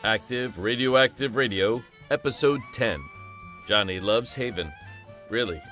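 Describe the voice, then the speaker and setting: A man's voice: mid-range voice, unhurried, a bit bright. A man reading scripted audio drama credits as an announcer. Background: faint music.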